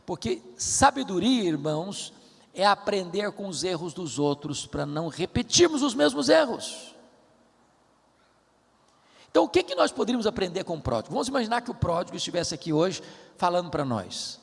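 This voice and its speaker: A man with a Brazilian Portuguese accent preaching a sermon in a church, with emphatic storytelling and drawn-out stressed words. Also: high-pitched, sing-song, vocal fry, breathy edge. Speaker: pastor. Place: large church auditorium. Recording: reverberant church hall.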